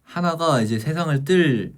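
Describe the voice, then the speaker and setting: His voice on the high side, a young livestream host talks at a moderate pace and sounds animated. He's chatting casually with viewers, retelling what happens in a book.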